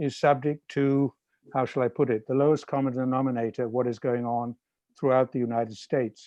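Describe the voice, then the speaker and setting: A man of medium pitch speaks with a British accent. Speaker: public commenter, neighborhood association member. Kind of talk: public testimony.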